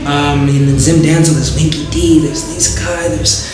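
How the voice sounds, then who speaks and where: Man, 20s, relaxed, fillers, slightly high pitch, loud music behind. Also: moderate pace, very echoey. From Zimbabwe. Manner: relaxed, easygoing, many fillers. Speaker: musician guest. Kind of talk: casual interview. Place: sports bar with music playing. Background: hip hop music.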